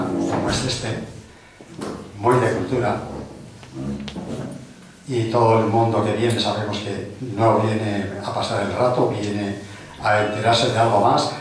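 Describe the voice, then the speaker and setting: A man's voice: on the low side, steady tone, unhurried. An older man hosts a book presentation in a big, very echoey hall, heard from far off the mic. His speech rambles casually, with little self-deprecating jokes, and there is a faint hiss underneath. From Spain. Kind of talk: informal welcoming speech. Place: large hall of a cultural club, indoors.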